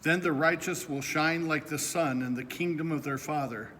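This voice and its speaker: A middle-aged pastor reading the gospel in a steady, clear liturgical manner in a church. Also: male voice, fairly high pitch, normal speed. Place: church sanctuary, indoors. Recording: echoing church with faint noise.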